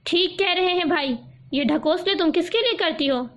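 A woman reading the sharp, reproachful lines of an angry middle-aged uncle, with a slightly dull recording. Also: very high-pitched.

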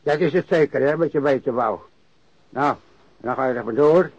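An actor playing a crusty old warehouse worker and ex-sailor who grumbles and rambles bluntly, in a radio drama. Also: male voice, mid-range voice, moderate pace, darkish tone, natural voice. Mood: grumbling, reminiscing. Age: older. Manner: grumbling, rambling, cursing, repeats himself. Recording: dry, dull lo-fi radio recording.

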